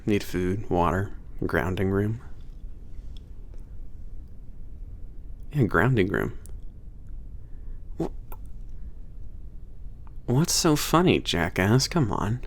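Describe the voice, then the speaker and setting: A man playing a laid-back, cocky werewolf trainer at a spaceport in an ASMR roleplay, talking casually with teasing, swearing and halting phrases. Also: lowish voice, lively intonation, full character voice. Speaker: trainer showing a new hire around. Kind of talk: ASMR roleplay, casual one-sided conversation.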